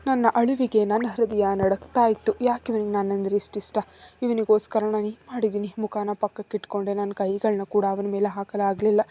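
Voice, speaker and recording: Woman reading a love story aloud, warm mellow voice, crickets in the back. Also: mid-range voice, flat delivery, fairly quick. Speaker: story narrator. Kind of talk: first-person narration.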